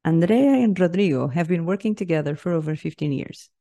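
A woman host opens her podcast with a scripted introduction, her voice low and mellow. She reads in a measured, enthusiastic way, keeping a calm, steady flow.

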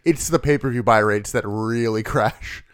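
A man's voice: fairly low pitch, normal speed, smooth, no room sound, clean studio sound. A man hosting a podcast, explaining things in a casual, joking, swearing way. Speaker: podcast host. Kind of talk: casual chat.

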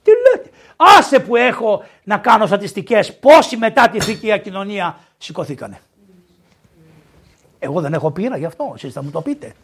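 An older man gives a sermon in a church, animated and prone to sudden exclamations. His voice is gravelly and a little husky. His pitch rises and falls widely as he quotes scripture. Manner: animated, exclaiming, quoting scripture in old Greek. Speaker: priest.

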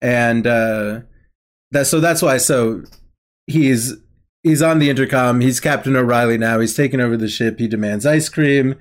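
A man's voice: medium pitch, normal speed. A man co-hosting a casual podcast, recapping a TV episode with wry, laughing asides. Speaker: podcast co-host.

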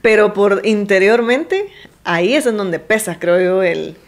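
A woman's voice: mid-range voice, lively intonation, measured pace. A woman, reflecting thoughtfully in a casual podcast chat. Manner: thoughtful, agreeing, warm laughs between points. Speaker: podcast co-host.

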